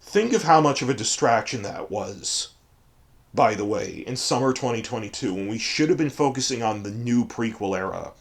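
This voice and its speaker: A hoarse man with a cold, giving emphatic, digressive commentary as a fantasy fandom channel host. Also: medium pitch, expressive, moderate pace. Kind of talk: ranting commentary.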